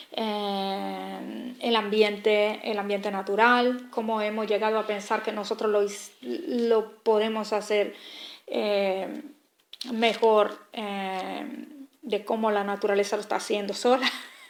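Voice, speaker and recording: A woman's fairly high pitch at a very slow pace, with fairly even intonation. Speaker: video blogger. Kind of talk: casual monologue. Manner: hesitant, many fillers.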